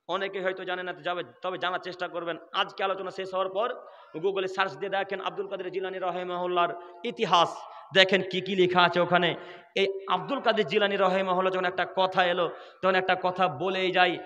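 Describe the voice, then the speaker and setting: High, bright-voiced man preaching with long echo. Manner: mocking, scolding, rhetorical questions to the crowd; swings from quick low asides to loud calls. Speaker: Islamic preacher. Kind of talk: sermon. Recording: long hall reverb from a live gathering.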